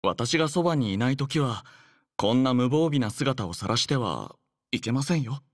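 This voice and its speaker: A man acting as a young male android squad leader from an anime game, devoted and dutiful. His mid-pitched voice is measured, formal and softly caring. The recording is dry and close, with no room sound. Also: lively intonation, no echo, natural voice. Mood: gently concerned. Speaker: voice actor in a mobile game. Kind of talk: anime game character voice lines.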